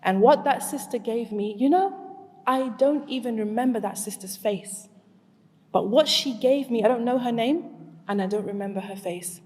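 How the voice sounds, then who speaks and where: Speaking at normal speed, this Zimbabwe-raised woman in her forties has a highish, darkish voice. At a community event in a big hall, she first questions the audience and then shares a story from her own life. A long, large-hall reverb hangs over the sound.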